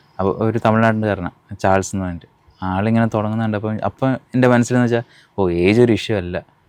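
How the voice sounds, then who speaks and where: Fairly even intonation in a plain, everyday voice. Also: man, fairly low pitch for a man. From Kerala, Thiruvananthapuram. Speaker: ultra runner and army soldier. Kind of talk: interview.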